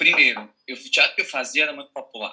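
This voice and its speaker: A man speaking at a fairly quick pace. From Paraíba, Brazil (Brejo interior). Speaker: actor and writer. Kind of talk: interview.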